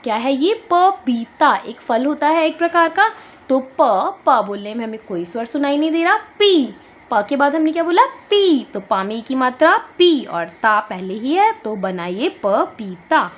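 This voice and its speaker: A woman teaching an online lesson to small children. She stretches out syllables slowly and asks questions, then answers them herself. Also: high-pitched. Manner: slow drawn-out syllables, asks and answers her own questions. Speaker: primary school teacher. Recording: dull lo-fi sound.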